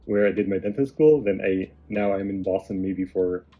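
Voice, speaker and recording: Calm low-voiced man, muffled sound. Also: moderate pace. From Egypt. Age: 30s. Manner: calm, quiet, hesitant with many fillers. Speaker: podcast guest. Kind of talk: casual interview answers.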